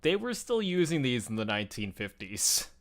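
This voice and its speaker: A man's voice: mid-range voice, sing-song, normal speed. A man chatting casually and explaining things in a conversational, enthusiastic way, as a show host.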